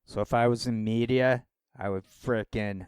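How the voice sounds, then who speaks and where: A man's voice: medium pitch, steady tone, normal speed, a little mellow, smooth, no room sound, clean studio sound. A man rambling through a casual solo monologue as a vlogger, wandering from thought to thought. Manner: rambling, meandering talk.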